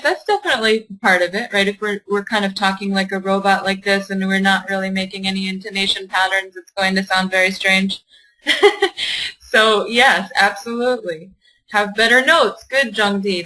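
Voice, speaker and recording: A woman's voice: medium pitch, bright, forceful tone, poor audio. A young adult woman tutoring a test prep class online, asking the class questions and reading out their answers with encouragement.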